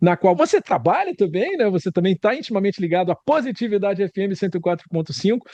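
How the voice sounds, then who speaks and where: With a dry, close sound and no echo, a man talks at a fairly quick pace in a high, dark and mellow voice that swings very widely in pitch. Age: 50s. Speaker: radio announcer. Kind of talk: casual interview chat.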